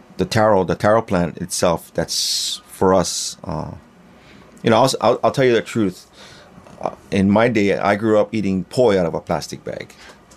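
Fairly low voice of a man with a Hawaiian accent, ordinary pitch variation, and a moderate pace. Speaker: chef and cultural practitioner. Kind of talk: interview. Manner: halting, many fillers.

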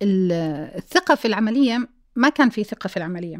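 A woman speaks at a fairly slow pace and a fairly high pitch, her pitch swinging very widely. The recording is very clean with a silent background and a dry, close sound with no echo. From Kuwait and Jordan. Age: 40s. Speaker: heart transplant recipient. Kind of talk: personal testimony interview.

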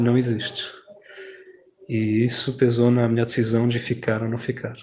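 The speaker is a man at medium pitch. He talks at a moderate pace. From Portugal. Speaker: hospital doctor. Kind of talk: interview testimony. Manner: halting, hesitant.

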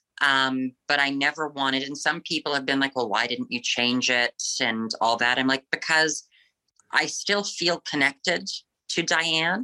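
A woman in an Albertan accent speaks at a fairly slow pace, her very deep, low voice bright and sharp in tone. Her pitch variation is ordinary, and the sound is dry and close with no echo. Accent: Canadian (Alberta). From rural Alberta, Canada. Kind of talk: interview.

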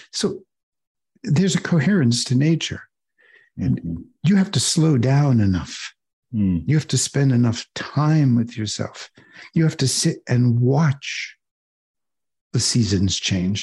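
Against a quiet background, a man with a medium pitch and a dark, mellow, somewhat breathy tone speaks at a fairly slow pace, making very wide pitch swings and long, frequent pauses. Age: 70s. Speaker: author and spiritual teacher. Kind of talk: interview conversation.

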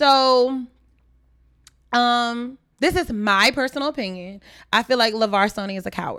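On a very clean recording with a silent background, a woman with a high, bright, sharp voice speaks at a fairly slow pace, with ordinary pitch variation and long, frequent pauses. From Richmond, Virginia. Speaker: podcaster and media mentor. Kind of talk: casual chat.

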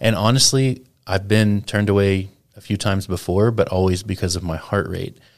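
An ordinary speaking voice from a man, fairly low in pitch, at a fairly quick pace with fairly even intonation. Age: 30s. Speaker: podcast host. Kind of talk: podcast interview.

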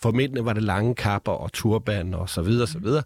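On a very clean recording with a silent background, a man speaks in a fairly low voice with ordinary pitch variation and a dry, close sound with no echo. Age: 60s. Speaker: professor. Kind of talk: interview. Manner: halting.

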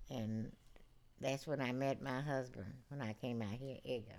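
With an American accent, a woman speaks at a very deep, low pitch and with fairly even intonation. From Chicago, South Side. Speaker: grandmother guest. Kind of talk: casual chat.

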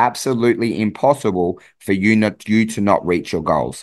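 This man speaks at a moderate pace with ordinary pitch variation. He has an Australian accent, and the background is quiet. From Australia (Sydney). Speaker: fitness business coach. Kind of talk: online training webinar.

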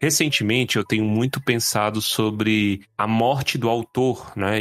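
A man's fairly low-pitched voice. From Brazil. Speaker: podcast host. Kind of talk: casual chat. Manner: animated.

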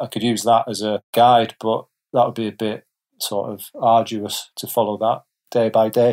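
With a British accent, a man talks at a moderate pace and medium pitch, his monotone, flat intonation captured in a dry, close sound with no echo. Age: 40s. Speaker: professional gambler and trader. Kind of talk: casual chat.

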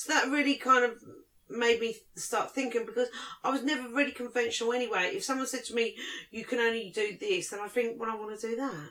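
At a very fast pace, a woman speaks in a fairly high pitch. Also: ordinary pitch variation. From Essex, England. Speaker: makeup artist. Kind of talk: casual chat. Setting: at home, on a bed.

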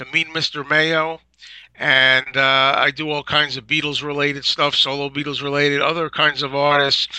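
A man with a fairly high voice speaks at a moderate pace. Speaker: webcast moderator, YouTuber. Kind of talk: casual webcast moderating. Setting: video call. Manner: upbeat, enthusiastic, laughs often.

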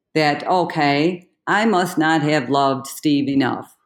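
This woman's voice is very deep and low in pitch, and she speaks with an American accent. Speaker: grief coach and author. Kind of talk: interview, personal storytelling.

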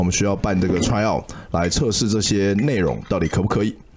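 A man's fairly low voice at a fairly quick pace, fairly even in intonation, over noticeable background noise. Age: 40s. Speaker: stand-up comedian. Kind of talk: casual chat.

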